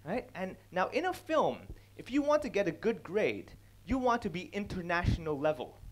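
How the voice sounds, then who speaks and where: Animated young man doing stand-up. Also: high voice, slight background noise, low-quality recording. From Hong Kong. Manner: animated, acts out characters with quick voice changes. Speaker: stand-up comedian. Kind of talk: stand-up comedy talk. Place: large dark stage before a live audience. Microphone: headset mic.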